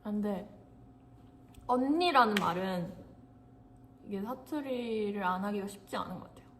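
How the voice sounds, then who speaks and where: A woman's voice: medium pitch, lively intonation, moderate pace, fairly bright tone, slight background noise, poor audio. A young woman hosting a casual livestream, chatting and giggling as she talks straight to her viewers.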